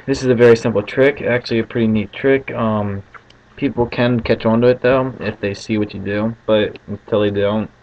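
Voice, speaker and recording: In a muffled, lo-fi home recording with faint noise, a card trick tutorial host walks through a trick step by step using casual patter and frequent short tag questions. His voice is on the low side and a little mellow.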